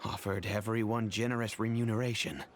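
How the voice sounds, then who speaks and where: Dignified middle-aged patriarch for a fantasy game, male actor: low, formal, solemn, courteous, over audible background noise. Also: flat delivery, fairly quick, natural voice. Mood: wistful, storytelling. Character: dignified middle-aged father, wealthy family head, grave and courteous. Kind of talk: scripted video game voice acting.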